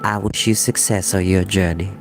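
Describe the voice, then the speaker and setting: A man's voice: low voice, steady tone, normal speed, faint music behind, voice pushed down. A man voicing a kindly but fierce old wise woman in a storybook, solemn and fervent. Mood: tender.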